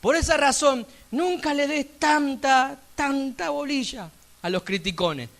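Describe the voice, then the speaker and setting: A man with an Argentine accent preaching a sermon in church, emphatic, with sudden loud rising peaks and chatty asides. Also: very high-pitched. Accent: Argentine Spanish. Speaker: pastor.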